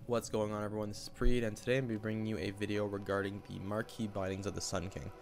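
A man's voice: lowish voice, level tone, fast, background noise. A man with a cold, sounding a bit nasal, casually explaining a game tactic with lots of filler ums. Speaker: game guide streamer. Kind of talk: casual gameplay tutorial.

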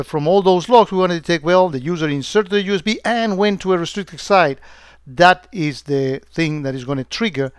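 Man narrating a screen demo, halting. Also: fairly high pitch, smooth, dry recording, studio quality. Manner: hesitant, many fillers and restarts. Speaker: security software presenter. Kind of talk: screen-recorded software demo.

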